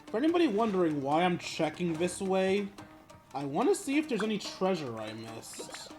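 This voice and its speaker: A man's voice: sits high, very animated, normal speed, darkish tone, soft background music. A man doing casual gameplay commentary as a streamer, musing aloud to himself and viewers. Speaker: video game streamer.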